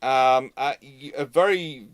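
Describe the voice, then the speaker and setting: A man hosting a live history Q&A, talking off the cuff in a discursive, halting way with many asides. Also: medium pitch. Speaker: host of a live naval history Q&A. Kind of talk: unscripted expert discussion.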